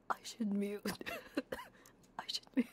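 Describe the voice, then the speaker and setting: A tearful woman chatting casually as a livestream host, flustered and apologetic, close to the microphone. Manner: flustered, self-deprecating, apologetic, drifting into soft whispers. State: tearful, crying while laughing. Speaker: ASMR streamer and Vtuber host. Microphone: binaural ASMR microphone, close.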